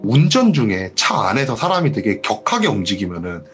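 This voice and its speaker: A man hosting a horror story show, retelling a viewer's ghost story in a lively way and acting out the quoted lines. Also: on the low side, a little fast, muffled recording, soft background music. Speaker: horror story radio host.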